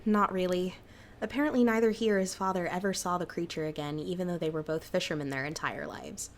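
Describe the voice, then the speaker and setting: A woman's voice: lowish voice, steady tone, fairly quick, a little hiss or hum, close to an everyday voice. A woman playing a cautious, resigned cryptid with a hesitant, downbeat way of talking in a naturalistic audio drama. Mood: matter-of-fact. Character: Sybil, cautious, resigned female cryptid in a small town.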